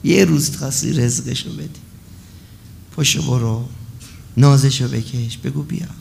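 A man preaching an emotional storytelling sermon at a religious gathering, swinging between loud passages and hushed ones. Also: mid-range voice, creaky, slight background noise.

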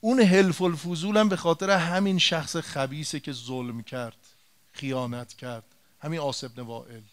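A man's voice: a little high, steady tone. A man preaching a religious sermon, retelling an old story in a colloquial way and turning to his listeners with direct rhetorical questions and emphatic repetition.

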